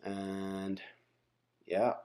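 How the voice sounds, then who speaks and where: A man's voice: low voice, monotone, drawn-out words, dark tone. A man giving an informal tutorial, thinking aloud step by step and often checking in with short tags. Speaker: software engineering instructor.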